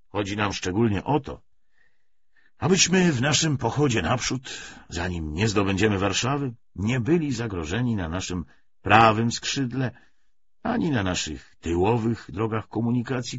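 Man playing a pompous, husky communist commissar. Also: fairly low pitch, sing-song, a little slow, voice pushed up, heavily acted. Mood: instructive, calculating. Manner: declamatory, rhetorical, emphatic. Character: pompous Polish communist commissar giving a lecture. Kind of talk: political speech within an audiobook novel. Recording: slightly dull, lo-fi audiobook recording.

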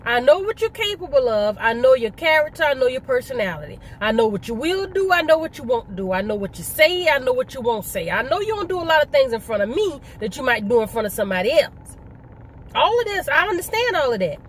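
A woman's voice: high voice, big pitch swings, brisk, slight background noise. A middle-aged woman chatting casually in a vlog, emphatic and fond of rhetorical questions and repetition. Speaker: vlogger. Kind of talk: casual mukbang conversation, storytelling.

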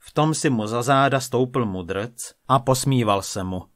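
A man reading short tales and fables aloud in a calm storytelling manner. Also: no room sound, clean studio sound. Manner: calm storytelling, voices characters with small pitch shifts.

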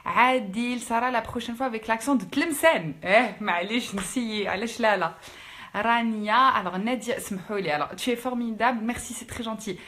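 Woman, Algerian accent, young adult, rapid chatter, fairly high pitch, casual live stream. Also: fairly bright tone. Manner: quick, chatty, mixing French with Algerian Arabic. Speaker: actress answering fans in a live stream. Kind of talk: casual live-stream chat reading out comments.

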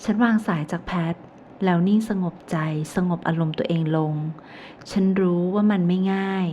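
A woman narrating a first-person romance audiobook in a calm, even storytelling manner. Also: lowish voice, moderate pace. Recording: slightly dull recording, faint hiss.

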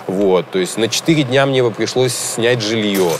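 Halting man talking outdoors. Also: fairly low pitch, background noise. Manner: halting, with many fillers. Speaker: driver interviewed about a crash. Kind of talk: casual interview. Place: outdoors by a car repair yard.

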